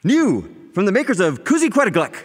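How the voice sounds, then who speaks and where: A slick pharmaceutical-commercial announcer from a radio comedy, played by a man. His voice sits high and swings widely in pitch. There is a long reverb and faint noise behind him. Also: wildly swooping pitch, a little fast, some chatter behind. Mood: salesy. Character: smooth adult male drug-ad announcer.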